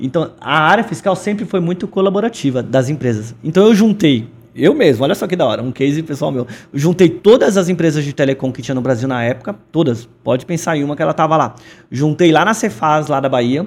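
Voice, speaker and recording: Speaking with lively intonation at a fairly quick pace, a man has a normal speaking voice. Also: fairly high pitch for a man. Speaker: startup co-founder and business director. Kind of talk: casual interview chat.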